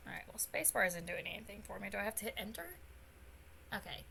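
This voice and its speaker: A young woman chats her way through a game stream at home. Her tone is bright and forward, with a faint rough edge because her voice has not fully recovered yet. She rambles loosely and breaks into sudden excited squeals, over a light hiss of background noise. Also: medium pitch, fast. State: slightly hoarse, voice still recovering. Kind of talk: casual let's-play chat.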